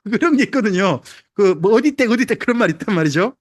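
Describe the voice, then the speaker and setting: A man's voice: high voice, animated, fast, no echo, clean studio sound. A man, a pastor preaching a sermon in a conversational, humorous way and putting questions to the congregation. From Jeolla, South Korea.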